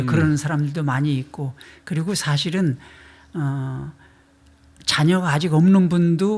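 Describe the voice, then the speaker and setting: With long, frequent pauses, a man of fairly high pitch talks at a very slow pace using ordinary pitch variation. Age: 70s. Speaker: education activist, former math teacher. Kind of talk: interview answer.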